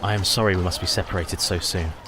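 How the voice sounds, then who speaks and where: An actor in a radio play playing a nervous young husband, a former clerk, who speaks formally and is easily alarmed. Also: male voice, low voice, fairly even intonation, fast talker, lightly acted. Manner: formal speech, prone to alarm.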